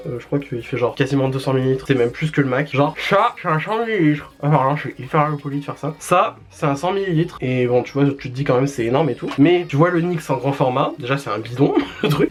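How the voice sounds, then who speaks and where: A young man chatting casually through a makeup routine at home, rambling with many fillers and restarts and poking fun at himself. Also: medium pitch. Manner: self-mocking, laughs at himself. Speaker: beauty vlogger. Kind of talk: casual get-ready-with-me chat.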